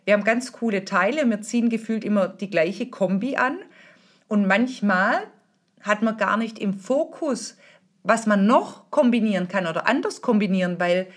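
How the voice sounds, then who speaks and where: A middle-aged woman hosting a podcast as a style consultant, explaining in a chatty, informal way with many fillers and restarts. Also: mid-range voice. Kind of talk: casual explanatory podcast talk.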